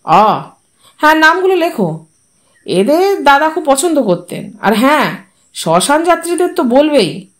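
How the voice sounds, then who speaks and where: A woman's voice: high voice, sing-song, unhurried, long pauses. A nosy, meddling older uncle in a storybook reading, as a woman reader puts him on. He talks in a bossy, prying way, handing out orders. His voice rises and falls a lot.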